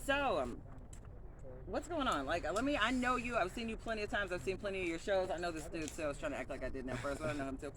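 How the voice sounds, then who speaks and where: An upbeat male host in his thirties from Virginia talks quickly and eagerly in a fairly high voice. He is recorded outdoors in a city park with a busy crowd around. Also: animated. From Virginia, USA. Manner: upbeat and eager, with frequent "hell yeah" and "that's what's up". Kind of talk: casual interview.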